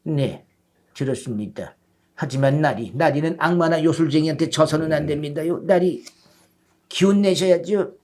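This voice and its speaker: A woman's voice: low voice, normal speed, mellow, pitched below the performer's own voice, close to an everyday voice. A woman voicing Sancho, a knight's loyal, wheedling manservant in a storybook reading, pleading with servile rustic politeness. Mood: gentle, consoling. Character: wheedling, loyal male squire of a deluded knight.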